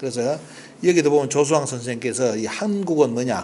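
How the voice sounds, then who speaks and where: A man with a fairly high pitch and ordinary pitch variation talks at a fairly quick pace, with audible room echo and noticeable background noise. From South Korea, Hadong, South Gyeongsang. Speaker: history lecturer. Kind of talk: lecture.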